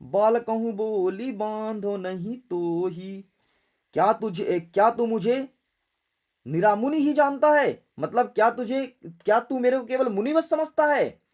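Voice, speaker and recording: A man teaching a class voices a furious, boastful old warrior sage in booming, scolding first-person outbursts. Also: lively intonation, moderate pace. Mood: angry.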